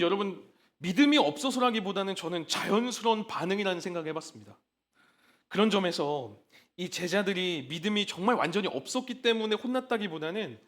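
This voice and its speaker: A man's voice: high voice, a bit bright. A man in his thirties preaching at a church prayer meeting, impassioned and throwing rhetorical questions at the congregation. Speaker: pastor. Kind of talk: sermon.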